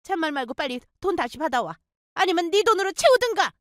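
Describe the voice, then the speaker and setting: A woman voicing a bossy older mother-in-law who scolds and shouts indignantly. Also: very high-pitched, very animated, fast talker, no echo, studio quality, pitched above the performer's own voice, heavily acted. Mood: angry scolding.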